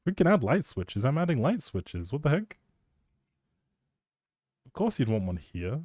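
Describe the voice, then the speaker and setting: A man chatting casually on a live game stream, informally thinking out loud as he goes. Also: mid-range voice, sing-song, a little slow, dry recording, clean studio sound.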